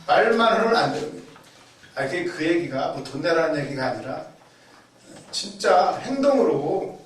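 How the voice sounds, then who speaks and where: High-voiced preacher man, very echoey. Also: normal speed, a little hiss or hum. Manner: animated storytelling, acting out quoted voices and shouts; repeats key words for emphasis. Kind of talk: sermon. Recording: very echoey, mic far off.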